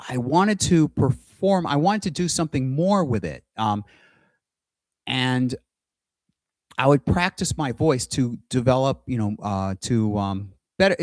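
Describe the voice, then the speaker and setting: A middle-aged man talking to camera in a casual monologue, halting often with restarts and pauses while he shares his screen. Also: medium pitch, a little mellow, no room sound. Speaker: aspiring singer and video host. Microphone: computer mic with screen sharing.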